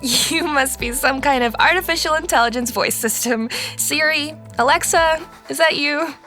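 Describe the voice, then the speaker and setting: High-voiced, skeptical teenage girl. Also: normal speed, bright, forceful tone, faint music behind. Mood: puzzled. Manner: wry, incredulous, hesitant stammers. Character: skeptical, sarcastic sixteen-year-old girl stuck at home. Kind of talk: audio drama acting.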